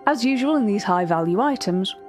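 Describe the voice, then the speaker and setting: A woman playing a cultured, earnest art curator, narrating a fiction podcast in a formal, precise and measured manner. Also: medium pitch, expressive, over music, close to an everyday voice. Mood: measured, intrigued.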